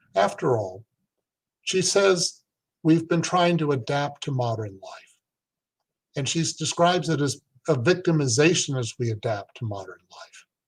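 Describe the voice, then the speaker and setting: This man's voice is fairly high and somewhat breathy, with lively intonation. He keeps a moderate pace but pauses long and often. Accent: American. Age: 60s. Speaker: spiritist lecturer. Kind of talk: lecture. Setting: virtual event.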